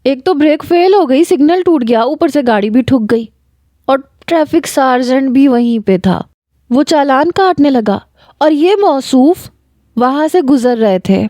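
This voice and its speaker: A woman's voice: sits high, animated, mellow, no room sound, studio quality, voice pushed up. A woman reading a story aloud and voicing a hot-tempered young woman who scolds with a raised voice. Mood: indignant.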